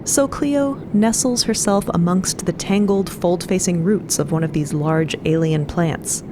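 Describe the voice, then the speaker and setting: A woman's voice: fairly low pitch, unhurried, noisy background. A woman narrating a scripted audio drama as a storyteller.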